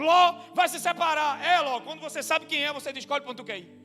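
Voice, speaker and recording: A man's raised, projected voice at an extremely high pitch, with ordinary pitch variation, a very fast pace and noticeable background noise. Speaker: pastor. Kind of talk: sermon. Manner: animated.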